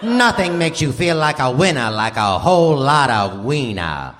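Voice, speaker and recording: A man's voice: mid-range voice, sing-song, measured pace, fairly bright tone, big-room sound. A man playing a grand, proudly promotional announcer of an old-time radio comedy show. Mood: grand, showy. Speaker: announcer and sketch performer. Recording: music behind, live theater.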